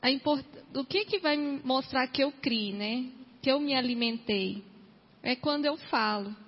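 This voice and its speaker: A woman's voice: sits high, animated, a little slow, slightly rough. A woman from the congregation sharing her reflection on the sermon, hesitant and full of tag questions. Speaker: congregation member. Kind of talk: sharing a reflection at a church meeting. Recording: dull, reverberant hall recording.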